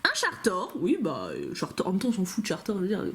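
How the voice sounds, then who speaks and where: Chatty woman, lively pitch swings. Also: quick pace, a little hiss or hum. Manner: playful, chatty, giggly, jokes to herself. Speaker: YouTuber opening trading card packs. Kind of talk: casual commentary while unboxing.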